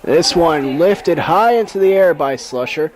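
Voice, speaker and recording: A man's voice: on the high side, lively intonation, unhurried. A man calling live baseball play-by-play as a sports commentator. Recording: outdoor ballpark background noise.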